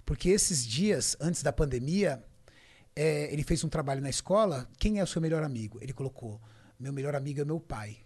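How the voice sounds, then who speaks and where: A middle-aged man from Brazil with a somewhat high voice, talking emphatically as an interview guest. He recounts his training life and acts out the conversations he quotes. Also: animated, brisk, darkish tone, slightly rough. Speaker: bodybuilding champion guest. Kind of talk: podcast interview storytelling.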